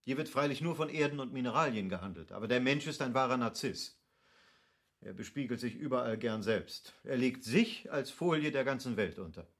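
An actor playing an opinionated, cultivated gentleman in a classic radio play, speaking with emphatic, rhetorical phrasing. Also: medium pitch, animated, fairly quick. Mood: wry, reflective. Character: opinionated, lecturing cultivated gentleman of Goethe's era.

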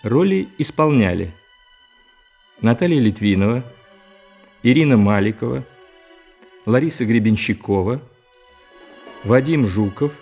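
A man's voice: medium pitch, animated, a little slow, creaky, long pauses, a little mellow, faint music behind. A man reading scripted closing credits as the announcer of an audio play.

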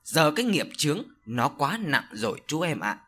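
A man voicing an older village sorcerer who speaks slowly and solemnly in an audio story. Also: a little high, sing-song, a bit bright. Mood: grave. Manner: slow, solemn, scolding. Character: older male village sorcerer, stern and grave.

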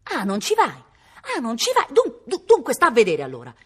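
A woman's voice: fairly high pitch, huge pitch swings, a little fast, a bit bright, husky, voice pushed up, heavily acted. Pushy young men, taunting and insistent, as a woman reader puts them on; storybook reading. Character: two rough young men bullying a bandit.

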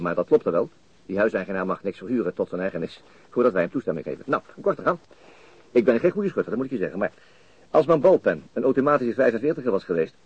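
A man's voice: medium pitch, darkish tone, slightly rough, no echo. An actor playing a dogged, methodical middle-aged police chief inspector in a Dutch radio play, hesitating as he thinks aloud. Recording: muffled, dull radio drama recording.

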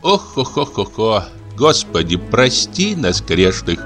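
A man's voice: mid-range voice, lively intonation, normal speed, a bit bright, soft background music, natural voice. A man voicing a fretful, pious old mother who fusses and sighs. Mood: sighing. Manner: fussing, sighing, pious exclamations.

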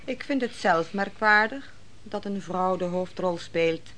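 A woman playing an authoritative, composed judge and leader in a radio play, speaking formally and deliberately. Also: on the low side, fairly bright tone, slight background noise. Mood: stately. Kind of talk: Dutch radio play acting.

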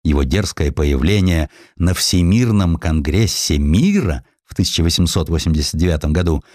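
A man reading a historical essay as a dramatic audiobook narrator, with expressive, theatrical emphasis. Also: sits low, normal speed, no echo, clean studio sound.

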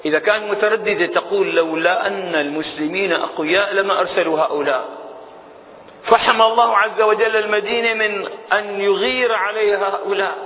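A man teaches a religious lesson, explaining each point step by step and putting rhetorical questions to his listeners. His voice sits high. The recording is thin and tinny and carries a long hall echo. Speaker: Islamic scholar teaching a creed text. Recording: tinny phone-like sound in a reverberant hall.

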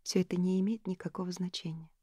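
A woman reading an audiobook, voicing a reserved, calm young woman who speaks quietly and wearily. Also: lowish voice, fast, husky, no echo, clean studio sound. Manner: quiet, weary, restrained.

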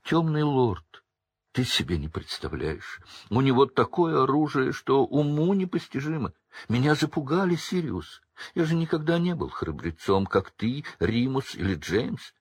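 A man's voice: on the high side, breathy edge, no room sound, pitched above the performer's own voice, exaggerated voice. A man voicing a cowering, sniveling middle-aged wizard who whines and pleads. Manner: whining, pleading.

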